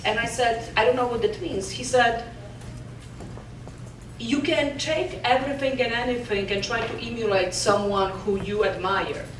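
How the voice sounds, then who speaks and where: A woman's voice: fairly high pitch, normal speed, a little hiss or hum. A woman from Poland with a Polish accent, giving an earnest motivational conference talk and often restarting words. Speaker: conference keynote speaker. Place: conference hall. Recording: echoey hall from a distance.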